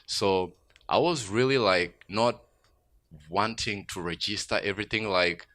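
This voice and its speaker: A man from Tanzania, a guest musician, talking in a radio studio interview, reflective and growing emphatic when excited. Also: on the low side, measured pace.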